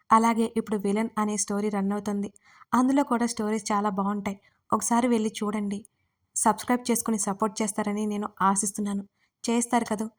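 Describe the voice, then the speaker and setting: A woman hosting and narrating an audio story, with gentle, earnest asides to listeners. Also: mid-range voice. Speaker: storyteller and channel host.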